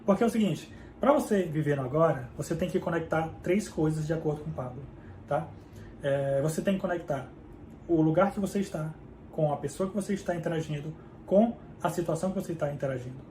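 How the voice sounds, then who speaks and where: A man's voice: fairly high pitch, fast, dark tone. A man with a Brazilian Portuguese accent hosting a casual book summary, explaining in a conversational way and often checking in with the listener. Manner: conversational, keeps checking in with "tá?" and "certo?". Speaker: book summary channel host. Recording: echoey room with faint background hum.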